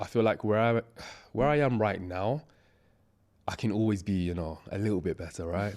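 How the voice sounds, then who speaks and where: A man with a London accent, fairly low pitch and ordinary pitch variation. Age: 30s. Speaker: fitness coach. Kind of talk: casual chat.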